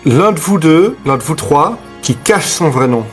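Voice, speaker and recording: A man's voice: on the high side, animated, measured pace. A man bantering casually as one of the players in a tabletop role-playing game. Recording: music behind. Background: music.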